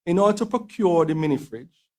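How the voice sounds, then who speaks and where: Male government official with a Caribbean accent and a higher-than-average voice, measured and formal in explanation. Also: lively intonation, dark tone. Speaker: attorney general.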